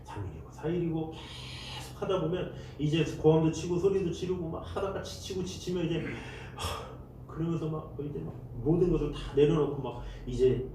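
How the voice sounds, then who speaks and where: A man's voice: a little high, mellow, slight background noise. A man preaching a Sunday sermon as pastor, often acting out cries and prayers in dramatic voices. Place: church sanctuary. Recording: very echoey church hall, mic set far off.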